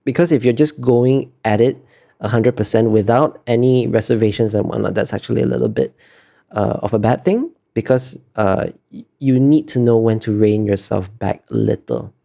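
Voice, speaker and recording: A man with a low voice and a noticeable creak answers interview questions casually. He speaks in a hesitant, thoughtful way, feeling out his words as he explains his work as an artist. The tone is on the mellow side. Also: lively intonation, normal speed.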